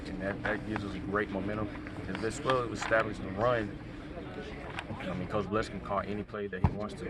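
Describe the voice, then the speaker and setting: A young man, a college quarterback, answering reporters outdoors in a soft-spoken way with many ums. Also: on the low side. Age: young adult. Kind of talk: outdoor media interview. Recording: loud background noise outdoors.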